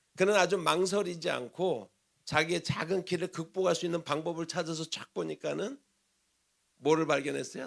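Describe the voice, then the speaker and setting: This man has a fairly high pitch and some vocal fry. He speaks at a moderate pace. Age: 60s. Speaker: pastor. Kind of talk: sermon. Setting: church. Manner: conversational.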